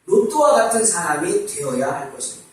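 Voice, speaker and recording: A man's voice: high voice, very animated, a little fast, faint music behind. A man preaching a sermon as a pastor, asking his congregation rhetorical questions and acting out scripture dialogue. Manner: acts out dialogue between God, Satan and Job. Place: church sanctuary. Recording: very echoey church from far off.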